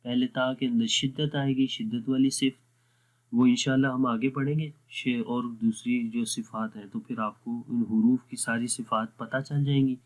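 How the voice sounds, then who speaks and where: A man teaching Quran recitation rules with an Urdu-speaking South Asian accent, patiently explaining and slowly drawing out example words. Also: medium pitch, fairly even intonation, low-quality recording. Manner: patient, repeats letter sounds slowly and deliberately. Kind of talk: slow explanatory lesson with drawn-out recited examples.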